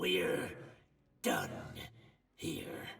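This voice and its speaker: Growling in a put-on character voice, the speaker sounds gruff and raspy, with a slight echo. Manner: growling, hostile.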